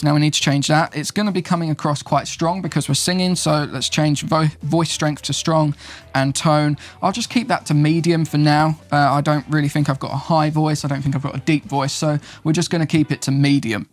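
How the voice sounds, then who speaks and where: A man's voice: on the high side, a little fast. A young man hosting his own channel, chatting casually and upbeat as he explains recording gear step by step. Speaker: YouTube host, videographer and podcast producer. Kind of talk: casual gear tutorial to camera.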